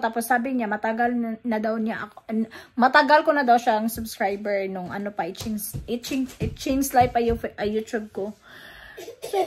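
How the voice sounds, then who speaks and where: Filipina mom vlogging, high voice, keeps restarting, kinda emotional. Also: female voice, low-quality recording. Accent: Filipino, with Cebuano words. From Philippines. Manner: emotional, halting, many restarts and fillers, mixes English into Tagalog. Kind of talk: casual vlog monologue.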